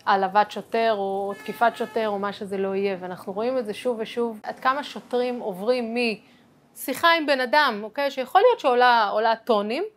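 A woman speaking earnestly in an interview, arguing her point with frequent fillers. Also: on the high side. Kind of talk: interview talk. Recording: music bed underneath.

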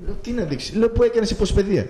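A man's voice: sits high, lively intonation, reverberant, a crowd in the background. A man co-hosting a radio show, chatty, telling anecdotes with a laugh. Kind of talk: casual studio banter.

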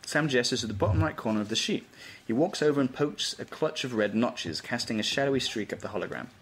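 A man's voice: mid-range voice, animated, fast, slightly rough, poor audio. A man reading out scripted stage directions as narrator at an informal table read. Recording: room recording with faint noise.

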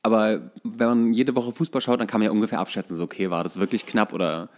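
A man's voice: lowish voice, fairly even intonation, quick pace. Hesitant man explaining things casually. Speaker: podcast co-host. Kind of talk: casual chat, explaining football.

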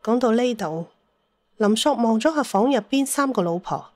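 A woman's voice: a little high, expressive, moderate pace, a little mellow, no echo. Cantonese woman narrator, dry studio sound. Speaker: audiobook narrator. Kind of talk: dramatised storytelling narration.

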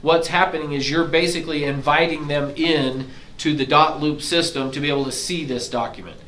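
A somewhat higher-pitched man teaching a class of agents, casual and self-deprecating as he explains each step. His voice is getting hoarse. He sounds roomy and set back from the microphone, with a faint hiss underneath. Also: steady tone, a little fast, a bit bright. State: losing his voice, throat-clearing. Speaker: real estate agent trainer. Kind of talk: software training walkthrough. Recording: echoey room from far off, faint hiss.

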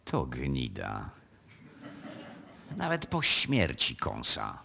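An actor playing an indignant, spiteful notary in a radio play, speaking with bitterness. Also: male voice, very deep voice, huge pitch swings, extremely slow, creaky, background noise, heavily acted. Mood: bitter. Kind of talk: live radio play acting.

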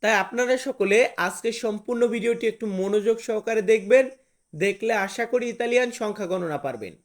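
A man teaching a language lesson to expatriates in a slow, repetitive drilling manner with frequent recaps. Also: high voice.

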